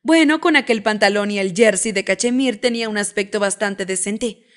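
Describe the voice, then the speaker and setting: Woman narrator, romance audiobook, lively dramatic read. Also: medium pitch, normal speed. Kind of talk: scripted narration.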